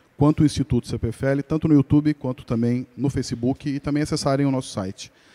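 Talking at a very fast pace, a man has a medium pitch, fairly even intonation and a dark, mellow tone. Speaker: event presenter; presenter. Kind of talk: moderator reading audience questions. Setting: stage with audience in theater. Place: hall. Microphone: handheld.

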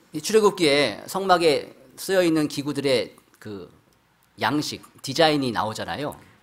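In a normal speaking voice, a man with a fairly high pitch uses lively intonation at a fairly slow pace, with big swings in loudness. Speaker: pastor. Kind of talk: sermon. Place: church. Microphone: podium.

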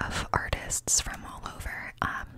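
Whispering is all that comes from this woman. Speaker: ASMR-style vlogger. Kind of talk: casual soft-spoken chat. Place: home room. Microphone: studio mic.

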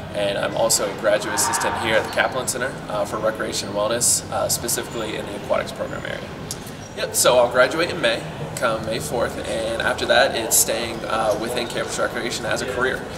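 Loud background noise surrounds a man speaking fairly quickly with an American accent. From North Carolina, Raleigh. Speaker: graduate student. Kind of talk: interview testimonial. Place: hall.

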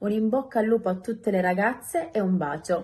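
A woman with a dark, mellow tone and a somewhat breathy voice speaks at a moderate pace with lively intonation. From Sicily, province of Agrigento; Sicily. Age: 20s. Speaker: beauty pageant contestant. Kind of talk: self-introduction video. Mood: calm, gentle, hopeful. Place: home room. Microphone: phone near.

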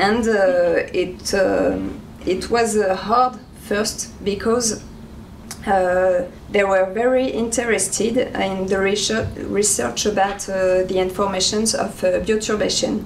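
A woman with a French accent at a very slow pace, very even in loudness, with light background noise. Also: medium pitch for a woman, ordinary pitch variation. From France. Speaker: archaeologist and researcher. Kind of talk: conference talk. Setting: conference stage with audience. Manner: halting, hesitant with many fillers. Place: meeting room. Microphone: camera far.

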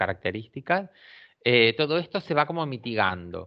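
The background stays quiet as the man talks at a moderate pace, his pitch varying in an ordinary way. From Argentina. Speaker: university lecturer. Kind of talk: lecture. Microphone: video call.

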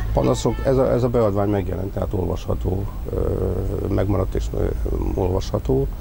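Over light background noise, a man with a very deep, low voice speaks with very wide pitch swings and long, frequent pauses in a dry sound with no echo. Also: moderate pace. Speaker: author. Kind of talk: interview about a book. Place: garden.

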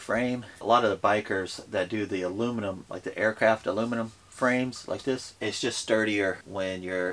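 A man speaks at a moderate pace in a fairly low pitch. His intonation is monotone and flat. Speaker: product reviewer. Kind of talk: unboxing review. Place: garage.

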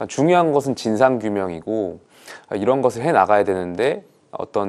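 A man at a fairly quick pace, against a quiet background. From Gyeonggi Province, South Korea (Pocheon-Gapyeong); Gyeonggi Province, South Korea. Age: 30s. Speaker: newly elected lawmaker; interview guest. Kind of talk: interview. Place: studio. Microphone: lapel.

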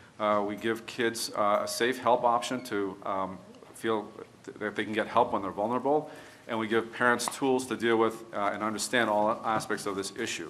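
Noticeable background noise behind a man talking at a moderate speed. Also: medium pitch for a man. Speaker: youth program developer. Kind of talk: panel presentation.

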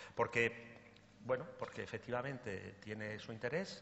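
The speaker is a man at a fairly slow pace. Light background noise sits behind him. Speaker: panel moderator. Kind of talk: conference panel moderation. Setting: stage with audience. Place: stage. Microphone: headset.

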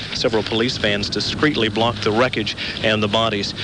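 Noticeable background noise is present throughout. The talking moves fairly quickly. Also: man. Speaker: news reporter. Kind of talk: 1980s radio news report, live field reporting. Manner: brisk, formal, crisp broadcast delivery; urgent, serious, measured.

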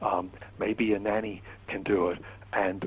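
Monotone, flat intonation from a man, pitched fairly low. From Yorkshire, northern England. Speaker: psychologist and parenting author. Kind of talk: interview answering parenting questions.

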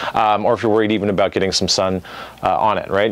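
A man speaks at a very fast pace. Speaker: tattoo artist. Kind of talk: casual talk to camera. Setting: outdoors. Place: home room.

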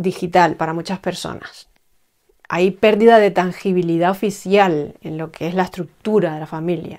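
In a quiet background, a woman speaks at a fairly slow pace with ordinary pitch variation. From Spain. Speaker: I Ching and Chinese metaphysics teacher; Chinese metaphysics teacher. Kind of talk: solo educational video talk. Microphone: phone near.

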